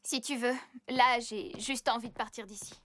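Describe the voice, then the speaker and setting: A woman's voice: on the high side, fairly even intonation, normal speed, a bit bright, dry recording, studio quality, lightly acted. A woman voicing a smug, nosy schoolgirl reporter in a cartoon dub, pompous and snippy. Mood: grudging. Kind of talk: French-dubbed animated cartoon acting.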